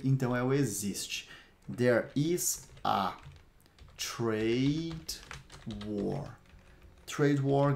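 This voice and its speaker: Male teacher from Brazil, unhurried, drilling phrases word by word; mid-pitched voice. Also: a little mellow. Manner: repeats words one at a time for the learner to echo. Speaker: English teacher. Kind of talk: slow step-by-step language lesson.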